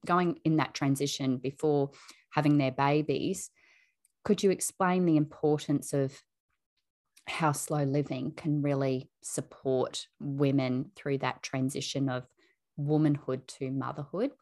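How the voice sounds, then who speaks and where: Low-voiced woman hosting a calm interview. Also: a little slow. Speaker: podcast host; mother. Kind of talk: reflective interview chat.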